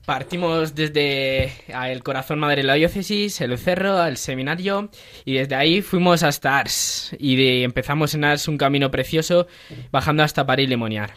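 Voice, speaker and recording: A man's voice: fairly high pitch, normal speed, fairly bright tone. A man on a casual radio chat, eagerly recounting a trip as a seminarian guest.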